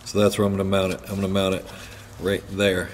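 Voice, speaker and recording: A man with a low-pitched voice talks fast while casually demonstrating a car repair step by step, handling parts as he goes. He sounds relaxed, chatting as he works with his hands. The recording has long reverb and faint background noise.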